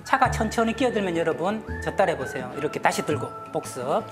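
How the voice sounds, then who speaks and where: A woman giving a lively talk show lecture, acting out little scenes and having the panel repeat her lines. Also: on the low side, fast, music in the background. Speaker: guest lecturer on stress.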